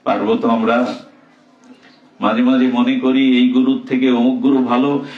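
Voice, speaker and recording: A man's voice: medium pitch, little pitch movement, moderate pace. Male preacher, emphatic storyteller; far from the mic, muffled. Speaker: scripture reciter, preacher. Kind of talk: sermon storytelling. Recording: echoey, distant, dull mic.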